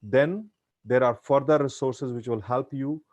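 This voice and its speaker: A man's voice: medium pitch, unhurried, a little mellow, no echo. A middle-aged man with an Indian accent, whose first language is Punjabi, answers questions over a video call. He speaks earnestly, restarts and repeats phrases, and his mid-range voice sounds dry and close. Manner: earnest, advisory, repeats himself. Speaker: guest speaker.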